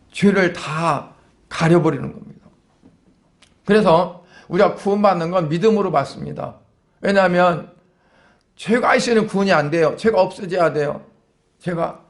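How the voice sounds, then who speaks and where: A male pastor giving a sermon in colloquial storytelling style, with rhetorical questions to the congregation. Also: high-pitched.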